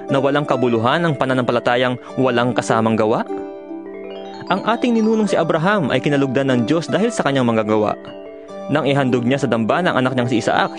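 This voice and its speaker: Music plays clearly behind a man narrating a dramatized audio Bible. His voice sits at an average male pitch. He exhorts in a solemn, earnest way, stressing his points with emphasis. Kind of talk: dramatized scripture reading, exhorting.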